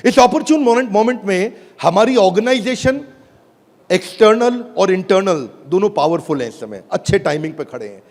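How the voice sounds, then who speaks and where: Male stage presenter, high pitch, rallying the audience and shouting questions back at it, recorded in a big hall with a faint crowd. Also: animated, moderate pace. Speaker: business speaker launching a product.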